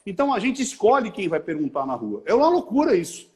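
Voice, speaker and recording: A Brazilian man talks through his ideas in an interview, lively and conversational. He keeps slipping into little acted-out quotes of everyday people. His voice sits fairly high and swings widely in pitch. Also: quick pace. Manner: animated, acts out little quoted dialogues. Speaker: body-language expert.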